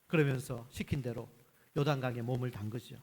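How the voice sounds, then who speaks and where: A man's voice: mid-range voice, fairly even intonation, fairly quick, darkish tone, in a large hall. A male senior pastor preaching a Sunday sermon in a church, emphatic and full of rhetorical questions to the congregation. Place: church sanctuary.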